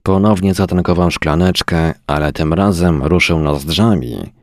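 A man reading a first-person story aloud in a wry, measured way. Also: deep voice, dry recording, clean studio sound. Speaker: audiobook narrator. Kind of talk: scripted first-person narration.

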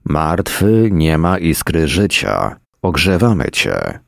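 A man's voice: extremely low pitch, big pitch swings, takes it slowly, gravelly, background noise, heavily acted. A man voicing a big grey talking dog that mutters blunt, scolding remarks. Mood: gruff.

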